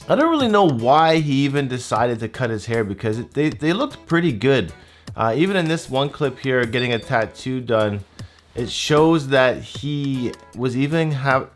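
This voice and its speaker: A man in his thirties giving a casual review in a measured, laid-back way. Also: medium pitch. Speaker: YouTube host. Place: small home room with desk and shelves, indoors. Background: guitar music.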